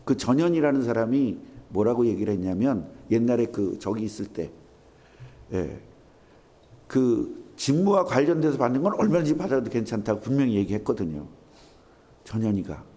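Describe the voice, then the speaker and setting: Animated preaching man, mellow voice. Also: medium pitch, normal speed. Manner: animated preaching, rhetorical questions. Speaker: pastor. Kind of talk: sermon. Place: church sanctuary.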